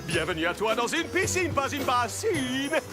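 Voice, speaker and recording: A man's voice: extremely high pitch, very animated, moderate pace. A man voicing a vain, theatrical villain magician who hosts a reality show in a French cartoon dub, pompous and grandiose, with music behind him. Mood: scheming, sweet.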